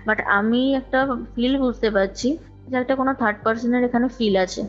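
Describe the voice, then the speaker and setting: A woman guest recounts her own ghost experience in conversation, talkative and repeating phrases for emphasis while mixing in some English words. Her voice is fairly high and her speed normal. It's a dull lo-fi call recording with music underneath.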